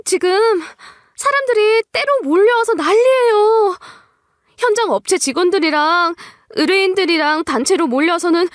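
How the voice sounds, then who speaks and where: A woman's voice: very high-pitched, moderate pace, no room sound, studio quality, voice pushed up. A woman voicing a frightened young office employee, frantic and pleading, in an audio story. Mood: panicked.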